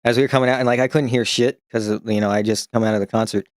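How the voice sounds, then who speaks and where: A man streaming in a casual chat, telling rambling, profane stories with frequent restarts and chuckling along, who picks up a slight New York twang when he gets excited. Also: on the low side, quick pace, no room sound, clean studio sound. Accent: slight New York-style twang when excited.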